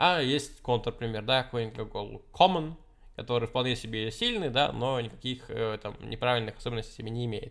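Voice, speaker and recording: A man with a plain, everyday voice at medium pitch speaks on a very clean recording with a silent background. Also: ordinary pitch variation, fairly quick pace. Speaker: podcast host, language learner. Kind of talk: casual chat.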